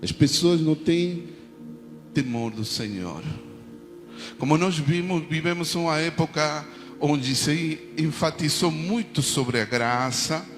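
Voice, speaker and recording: Argentine Spanish-accented male pastor, sermon, long reverb, loud music underneath. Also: fairly high pitch, slow. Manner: preaching with call-and-response prayers and frequent "amém".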